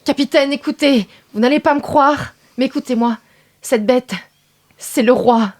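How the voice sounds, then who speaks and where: A woman with a high voice playing in character in a tabletop game. She speaks hesitantly, with fillers, and slips into formal, in-character speech. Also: moderate pace, a little mellow. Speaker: player.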